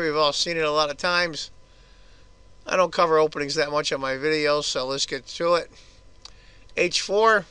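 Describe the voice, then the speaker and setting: A hoarse man giving casual, chatty move-by-move commentary on a chess game for his video channel. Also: on the high side, pushed and bright, no echo.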